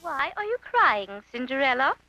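A kindly fairy godmother from a children's storybook recording, speaking high with swooping, lively intonation. She fusses sweetly and reassures like a motherly magical guardian. Music plays behind her on a slightly dull track. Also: moderate pace, heavily acted. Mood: gently consoling. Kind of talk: children's storybook audio drama. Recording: dull lo-fi audio under music.

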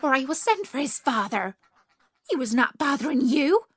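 Proper mother duck, read by a woman, genteel and protective, slow and husky. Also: a little high, sing-song, dry recording, studio quality, full character voice. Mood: fierce.

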